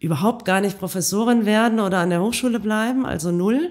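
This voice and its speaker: The speech moves at a moderate pace with ordinary pitch variation. Behind it, the background stays quiet. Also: woman. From Lower Rhine, Germany (Krefeld area, rural); Lower Rhine, Germany. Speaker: linguistics professor and communications consultant; linguistics professor. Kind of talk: casual interview. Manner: hesitant, many fillers. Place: meeting room. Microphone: studio mic.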